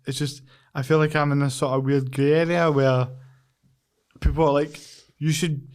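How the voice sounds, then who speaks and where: A Scottish man with a slightly high voice hosts a podcast in a loose, conversational way. He talks informally, with self-deprecating banter. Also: flat delivery, normal speed. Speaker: podcast host. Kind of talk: casual interview chat.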